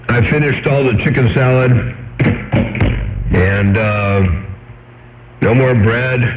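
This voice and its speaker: A man's voice: mid-range voice, a little hiss or hum. A man chatting casually over CB radio, drawling in trucker-style lingo with handles and codes. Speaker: CB radio operator. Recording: echoey dull CB radio transmission.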